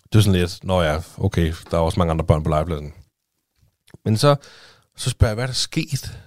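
Low-voiced man telling a story. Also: dry recording, studio quality. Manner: animated storytelling, swearing, acting out dialogue. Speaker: podcast co-host. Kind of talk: casual chat.

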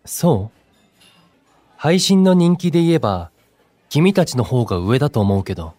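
An actor playing a kind, composed young male idol in an audio drama, speaking as a friendly, encouraging senior with gentle wording. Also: mid-range voice, big pitch swings, moderate pace, no room sound, close to an everyday voice. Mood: curious. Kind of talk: Japanese audio drama acting.

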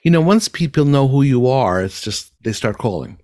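A man's voice: mid-range voice, lively intonation, moderate pace, mellow, no echo. Nasal older man, dry sound. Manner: reflective, enthusiastic storyteller. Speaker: musical director and speech therapist. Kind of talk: interview answers.

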